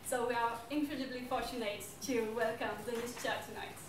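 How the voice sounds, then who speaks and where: A woman's voice: fairly high pitch, fairly even intonation. Distant woman hosting an event. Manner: halting, with fillers. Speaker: event host. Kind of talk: introducing a speaker. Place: event room. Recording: distant, echoey room, clear background noise.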